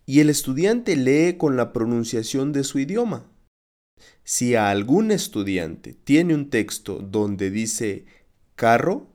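A man hosting a podcast lesson as a Spanish teacher, speaking in a clear, encouraging, teacherly way. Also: mid-range voice, warm tone.

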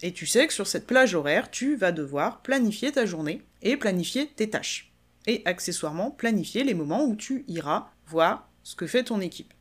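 French woman doing a casual solo podcast, chatty and informal, middle pitch. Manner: chatty, informal, addresses listener as tu. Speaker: podcast host, business coach.

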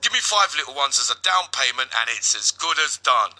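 A man voicing his younger self, an eager prisoner, in high, jumpy replies. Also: expressive, fairly quick, pushed and bright, rough recording. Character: hungry, eager male prisoner, excitable and wired.

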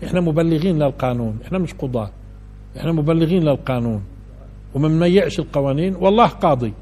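An older man gives a religious lesson in a chatty, questioning way. He talks quickly, his voice a little husky and pitched slightly high. He often climbs to emphatic peaks. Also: animated, dark tone. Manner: conversational lecturing, asks the audience questions, rises to emphatic peaks. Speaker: preacher giving a Quran exegesis lesson.

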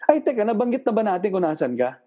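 A man's voice: high voice, big pitch swings, fast, dark tone, highs cut off. A man hosting a casual interview over a video call, joking and teasing his guest in an easygoing way. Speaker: podcast host.

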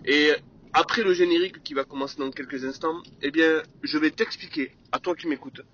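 A man's voice: fairly high pitch, a little fast. A man with a somewhat raised voice chats energetically through his solo podcast, full of fillers and English sales buzzwords. The recording sounds dull and lo-fi, with a faint hiss underneath. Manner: energetic, chatty, many fillers, sprinkles English sales jargon. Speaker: podcast host. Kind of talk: casual solo podcast monologue.

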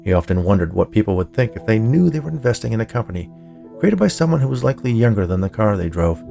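Creaky low-voiced man narrating fiction. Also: sing-song, fast, mellow, soft background music. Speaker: podcast narrator, writer and producer. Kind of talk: scripted fiction narration, bedtime-story podcast.

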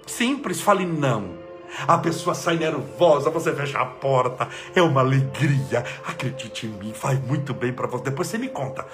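A man, an energetic spiritual leader giving an emphatic inspirational talk and leading prayer. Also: mid-range voice, moderate pace, over music.

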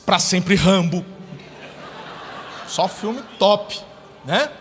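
A man's voice: sits high, lively intonation, extremely slow, fairly bright tone. Man, pastor, sermon, anecdotes with acted-out voices, long hall reverb. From Brazil. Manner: storytelling with acted-out quotes. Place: church hall.

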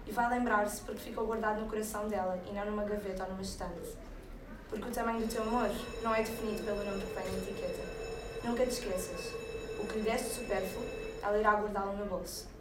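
A woman's voice: mid-range voice, fairly even intonation, fast. Woman reading a tender text, echoey room. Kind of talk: reading a reflective text aloud. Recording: echoey room, distant mic, noisy.

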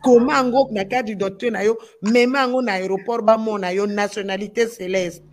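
On a talk show, a Congolese woman who sings gospel argues fervently, her Congolese French accent clear as she repeats phrases to stress them. She speaks at a moderate pace in a steady, mid-range voice.

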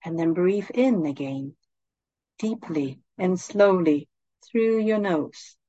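A woman leads a meditation very slowly and unhurriedly, giving calm, gentle instructions in a fairly low, soothing voice. The recording is dry and slightly dull, with no room sound.

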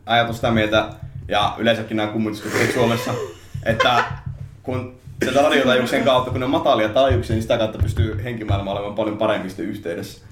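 A man co-hosting a podcast, explaining calmly to listeners in casual chat. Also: fairly low pitch, a little hiss or hum. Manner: explaining, even-handed. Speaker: podcast co-host. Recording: roomy echo.

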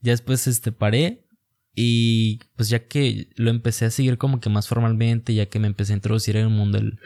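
This is a young man with a Mexican accent talking on a casual podcast. He is relaxed and chatty, telling stories in a loose, friendly way. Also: lowish voice, moderate pace. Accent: Mexican Spanish. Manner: relaxed, chatty, laughs easily. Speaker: podcast co-host.

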